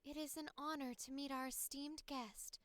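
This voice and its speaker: A woman voicing a soft-spoken, regal young princess in a gracious, formal manner for an audition. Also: high-pitched, fairly even intonation, moderate pace, no room sound, pitched above the performer's own voice. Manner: formal, poised. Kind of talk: character voice acting audition.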